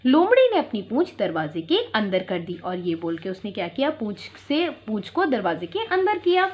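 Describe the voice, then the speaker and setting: A woman's voice: mid-range voice, big pitch swings, normal speed, dull audio. A woman teacher telling a story to young children in an online class, explaining simply and checking in often. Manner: explains and repeats simply, checks in with "theek hai".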